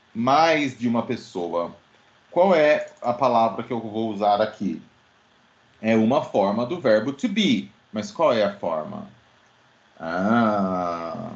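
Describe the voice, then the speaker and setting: A man teaching an online English class, his pitch swinging up and down as he quizzes students by name. He has a middle-pitched voice, and the sound is dull and lo-fi, as from a video call. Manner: lively, questioning, addresses students by name. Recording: dull lo-fi audio.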